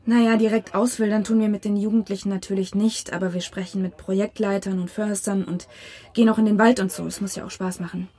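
An actress playing an idealistic young student and camp leader in a German audio drama, earnest and conciliatory. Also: female voice, medium pitch, level tone, fast, mellow, natural voice. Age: young adult.

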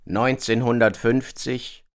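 A man presenting on radio with measured, scripted narration in clipped announcements. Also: medium pitch, steady tone, smooth.

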